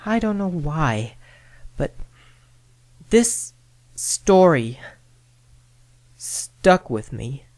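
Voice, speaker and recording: A woman narrating a first-person scary story in a dramatic, deliberate manner with suspenseful pauses. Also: low voice, sing-song, a little mellow, no echo. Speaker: horror story reader. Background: background music.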